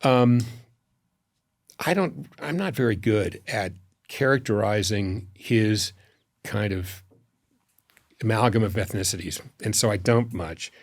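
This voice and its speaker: Guy with a lowish voice, interview guest, measured and reflective, tells stories w pauses. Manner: measured, anecdotal storytelling with pauses. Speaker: foundation president, interview guest.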